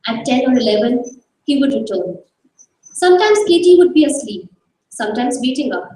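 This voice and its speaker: A woman giving a measured, expressive dramatized reading of a short story on a live festival stage. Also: sits high. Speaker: reader. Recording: echoey hall from far off.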